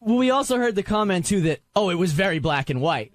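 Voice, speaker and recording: A man in a casual panel discussion, making his case in a halting, aggrieved way. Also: high-pitched, very animated, no echo, clean studio sound. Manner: halting, repeating words, aggrieved. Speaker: radio show staff member.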